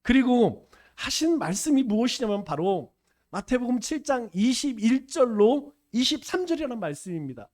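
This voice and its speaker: His voice is extremely high with big swings in pitch, a moderate pace, and a slightly mellow quality. This Chungcheong-accented male pastor delivers a folksy, playful sermon, performing small dialogues along the way.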